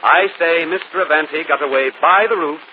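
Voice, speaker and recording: An actor playing a brilliant, self-assured gentleman detective in a 1940s radio mystery, explaining calmly. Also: on the high side, brisk, lightly acted. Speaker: detective and show host. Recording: muffled old radio broadcast, faint hiss.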